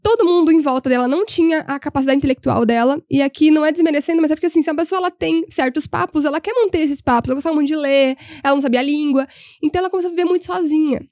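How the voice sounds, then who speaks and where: Fast-talking high-voiced woman. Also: dry recording, clean studio sound. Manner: animated, humorous, voices quoted people. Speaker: podcast guest, history content creator. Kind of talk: casual storytelling chat.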